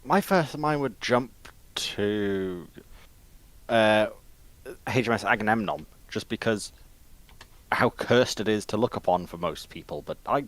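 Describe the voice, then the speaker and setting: A man chatting casually as a panelist, phrasing his thoughts in a halting, thoughtful way. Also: fairly low pitch, fairly bright tone.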